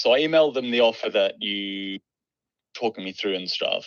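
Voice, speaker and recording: Here a man talks with a British accent. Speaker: wholesaling student asking about a deal. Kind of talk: casual call-in Q&A.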